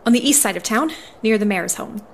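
A woman's voice: fairly high pitch, expressive, brisk, creaky, slight background noise. A woman playing an earnest, prickly dwarven paladin in an audio drama, speaking in a firm, formal, businesslike way.

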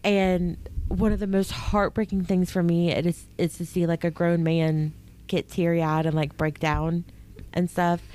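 A woman's voice: on the low side, level tone, a little slow, darkish tone. A woman co-hosting a true-crime podcast, reacting emotionally and talking casually with fillers. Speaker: podcast co-host.

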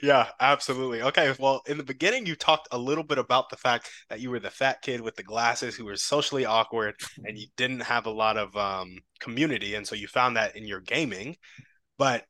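A man's voice: mid-range voice, a little fast, sharp tone, no echo. A man hosting an interview, affirming the guest and leading with questions. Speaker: interviewer, host. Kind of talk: conversational interview.

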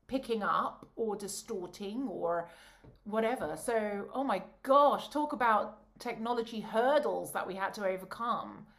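A woman, an opera singer and voice coach, chatting in a bubbly, animated way and laughing often over a video call. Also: medium pitch, measured pace. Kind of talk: casual chat.

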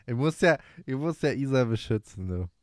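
A young man co-hosting a podcast, reacting to a story with excited, joking comments. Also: medium pitch, normal speed, no room sound, clean studio sound. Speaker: podcast co-host. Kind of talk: casual chat.

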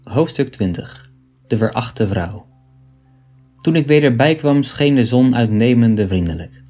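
A man reading aloud an old book in a measured, deliberate way. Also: mid-range voice, darkish tone, faint music behind. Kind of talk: scripted narration of an 18th-century text.

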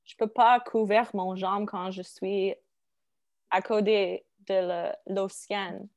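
Halting anglophone woman speaking accented French. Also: mid-range voice, steady tone, darkish tone. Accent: English-speaking accent in French. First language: English. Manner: halting, searches for words in a second language. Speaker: interview guest. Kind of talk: casual chat, halting French mixed with English.

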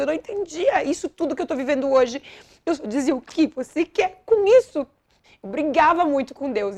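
Brief: woman podcast host, high voice, emotional repeated phrasing. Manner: repeats phrases for emphasis, swings between hushed and intense. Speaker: podcast host and mental coach. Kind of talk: emotional personal storytelling.

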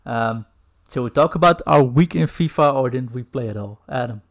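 A man hosting a casual video podcast over a call, relaxed, laughing often and filling pauses with "uh". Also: medium pitch. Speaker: podcast host.

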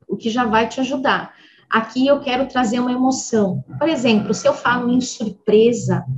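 A Brazilian woman with a fairly high voice coaches on speaking in a didactic podcast talk. She slows down, speeds up and drops her tone on purpose to make her points. The audio is a bit dull and lo-fi. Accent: Brazilian Portuguese. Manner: didactic, varies pitch and pace for emphasis. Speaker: communication coach.

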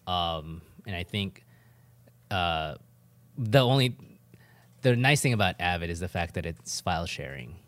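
A man's voice: low voice, animated, unhurried, long pauses, a bit bright, dry recording. A man co-hosting a podcast, chatting casually and rambling off on tangents with a joking manner. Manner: rambling, jokey, goes off on tangents. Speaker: podcast co-host. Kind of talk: casual chat.

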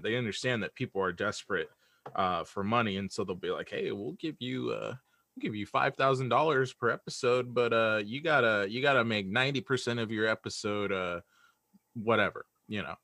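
A young man speaking as an interview guest in casual chat, earnest and halting, often repeating words as he thinks. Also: medium pitch, pushed and bright, no room sound, clean studio sound. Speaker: guest, audio drama creator.

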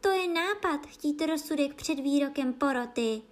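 A woman as a bold young storybook girl, higher childlike pitch, defiant, lively, outspoken.

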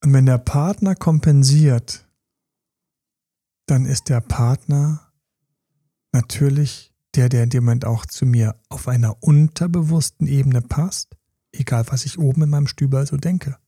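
A man's voice: mid-range voice, unhurried, slightly rough, no echo, clean studio sound. A man co-hosting a podcast, giving casual, slangy relationship advice and acting out small quoted scenes. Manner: animated, acts out little quoted scenes; colloquial, slangy. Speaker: podcast co-host. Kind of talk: casual coaching talk.

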